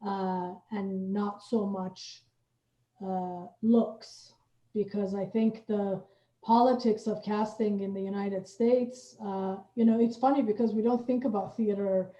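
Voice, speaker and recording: A woman hosting and moderating a panel conversation, phrasing her points in a measured, deliberate way. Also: medium pitch, steady tone, mellow. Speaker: host and moderator, theater company representative. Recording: roomy, muffled online-call audio.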